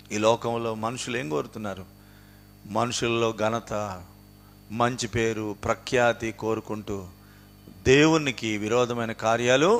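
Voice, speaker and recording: A man preaching a sermon in a Telugu accent. He repeats his rhetorical questions and scripture references, and he swings between low, quiet passages and raised, emphatic outbursts. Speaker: pastor.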